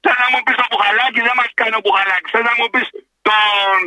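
Angry guy calling into a sports radio show, super high sharp voice, firing off his rant. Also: steady tone, low-quality recording. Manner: agitated, rapid-fire, confrontational. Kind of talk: heated phone-in rant on football.

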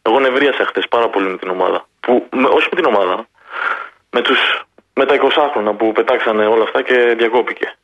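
A man calling a sports radio show, frustrated and openly disagreeing with earlier callers. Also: mid-range voice. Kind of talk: casual call-in chat. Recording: muffled phone line.

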